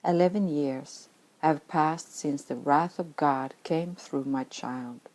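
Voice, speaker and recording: A woman's voice: low voice, takes it slowly, darkish tone, rough recording. A middle-aged Swedish woman with a Swedish accent, whose first language is Swedish, reading her own spiritual memoir in an earnest, reflective way. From Sweden. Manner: earnest, reflective, at times dropping to a whisper.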